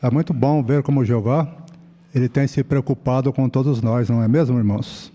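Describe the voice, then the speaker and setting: A man with a very dark, mellow voice chairs a congregation meeting and speaks formally and courteously. His voice echoes with a long hall reverb. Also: mid-range voice, fairly even intonation, a little fast. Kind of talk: closing remarks at a congregation meeting.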